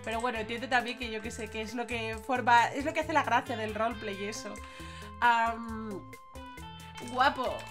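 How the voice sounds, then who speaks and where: A woman's voice: fairly high pitch, moderate pace, over music. A young woman, chatting casually and giggling as she comments on her gameplay. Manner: chatty and giggly, with excited squeals. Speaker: gaming YouTuber.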